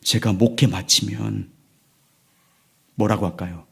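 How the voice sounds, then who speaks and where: Gravelly, husky older pastor preaching. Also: male voice, lowish voice, steady tone, slow pace. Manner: preaching that swings between loud emphasis and hushed, near-whispered lines. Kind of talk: sermon. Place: church sanctuary.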